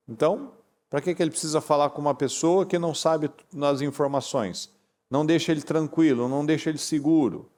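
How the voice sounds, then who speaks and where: A Brazilian Portuguese-accented man delivers a sermon in a fairly high voice. He drives his points home through repetition and sudden rises in pitch. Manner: emphatic, repetitive preaching with lively pitch jumps. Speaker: pastor. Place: church meeting hall.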